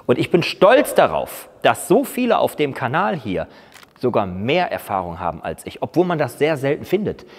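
A man's voice: medium pitch, moderate pace, slightly rough. A man in his forties, a fitness trainer, talking emphatically to camera in a large indoor gym. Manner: emphatic, argumentative, lively gestures. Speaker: fitness YouTuber. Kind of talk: opinionated monologue to camera. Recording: long reverb in a big gym hall.

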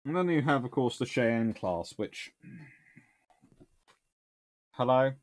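A man's voice: mid-range voice, takes it slowly. Dry-witted British man chatting at his desk. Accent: British English. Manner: dry wry asides, lively bursts of enthusiasm. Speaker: naval historian host. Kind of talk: casual chat reviewing books and answering questions. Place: small home study lined with bookshelves.

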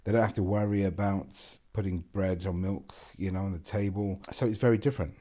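This is a deep, mellow-voiced man with a South London accent, speaking as a podcast guest in a small studio. He talks earnestly and repeats words as he thinks. The sound is close and clean from a boom-arm mic. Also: brisk. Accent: South London English. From South London, England. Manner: earnest, repeats words, animated with hand gestures. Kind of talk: casual interview talk. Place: small bright studio room with a window. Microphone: boom-arm podcast microphone.

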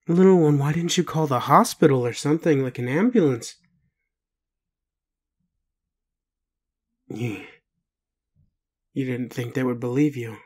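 A man playing a bewildered, doubting but gentle partner in an intimate roleplay audio, speaking haltingly with pauses. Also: medium pitch, husky, natural voice. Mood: apologetic, worried. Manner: halting, hesitant, full of pauses and sighs.

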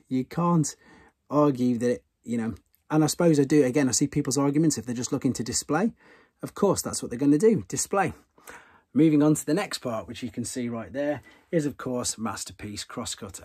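A man's voice: mid-range voice, mellow, breathy edge. A man in his thirties hosting a casual toy news vlog, chatty and enthusiastic, often repeating himself, recorded close up in a room full of toys. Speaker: toy channel host. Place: room with toy shelves behind.

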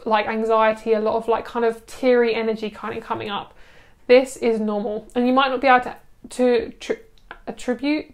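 A young adult woman giving a chatty, soothing tarot card reading to camera, gushing over the cards with lots of fillers. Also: fairly high pitch.

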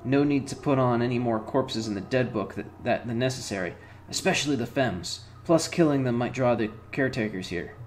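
A man voicing a wisecracking floating male skull companion, high and brash as he reads the game's lines aloud. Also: expressive, brisk, few pauses, a little hiss or hum, lightly acted. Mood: conspiratorial.

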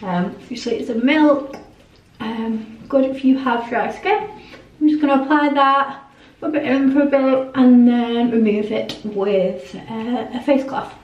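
A young woman, vlogging casually to camera, a little croaky from a cold, with lots of ums. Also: fairly high pitch, a little slow, dull audio. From England. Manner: chatty, friendly, many ums. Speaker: beauty vlogger. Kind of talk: casual vlog chat to camera. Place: hotel room and tiled bathroom. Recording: echoey room sound.

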